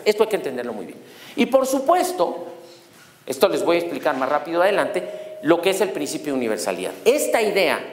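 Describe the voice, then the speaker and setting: A middle-aged man giving a lecture on law, animated and throwing rhetorical questions at his audience. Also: high-pitched. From Mexico. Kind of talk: university lecture on human rights. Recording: echoey hall with long reverb.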